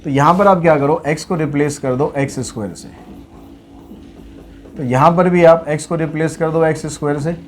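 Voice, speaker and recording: A man's voice: a little high, moderate pace, faint music behind. A man teaching a maths lesson, working through problems step by step and asking and answering his own questions. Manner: explains steps aloud, asks and answers his own questions.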